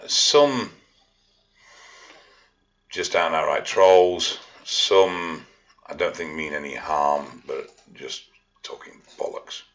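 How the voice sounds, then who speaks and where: A man's voice: very deep voice, bright, forceful tone, highs cut off. A Yorkshire man answering viewer questions in a casual vlog, blunt and dry-humoured, swearing freely. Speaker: fitness and art vlogger. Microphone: own vlog mic.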